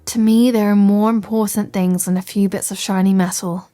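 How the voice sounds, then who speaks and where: A woman's voice: medium pitch, steady tone, normal speed, warm tone, lightly acted. A capable female wizard voiced by a woman in an ASMR fantasy roleplay. She has a mid-range voice and speaks directly to the listener in articulate, bookish phrases. Her manner is caring and reassuring, that of a learned shopkeeper. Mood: gentle, reassuring. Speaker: audio roleplay performer.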